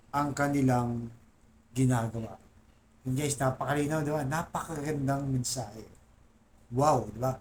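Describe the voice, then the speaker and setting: A man's voice: a little high, a little hiss or hum. A man giving a casual Catholic reflection talk, often asking his listeners "right?" and calling them guys, rising in voice as he lists sufferings. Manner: keeps asking "di ba?" and addressing "guys". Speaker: Catholic faith vlogger.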